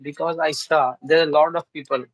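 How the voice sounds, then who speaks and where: On a casual video call, a man practicing English speaks with an Indian English accent, Urdu being his first language, hesitating with lots of fillers and restarts. He is brisk, his voice fairly high with fairly even intonation. It's a rough recording with no room sound.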